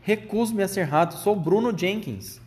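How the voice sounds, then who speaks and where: A man reading aloud and voicing a spoiled, greedy boy who has been turned into a mouse, often shouting indignantly. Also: a little high, lively intonation, fast talker, lightly acted.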